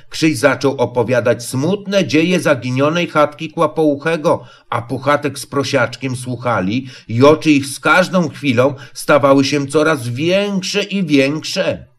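A man narrating a storybook in a slow, gentle, unhurried reading. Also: medium pitch.

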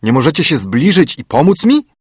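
A man voicing a grumpy, ungrateful little bearded dwarf with a thin, shrill voice who scolds and snaps. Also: sing-song, fairly quick, husky, no echo, clean studio sound. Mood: scolding. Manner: scolding, snapping, whining.

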